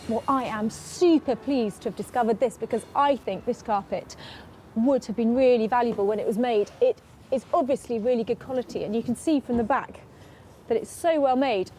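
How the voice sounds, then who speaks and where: Outdoors at a recycling centre, a woman presenter chats casually on location, bubbly and full of enthusiasm. Her voice is a little high and mellow at a moderate pace, with faint music in the background.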